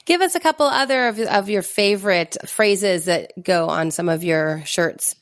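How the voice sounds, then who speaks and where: A female podcast host speaks in an encouraging, conversational way, jumping up in pitch whenever she acts out a quote. Her voice sits at a middling pitch, and the recording is dry and close. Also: moderate pace, no room sound. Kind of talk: casual interview talk.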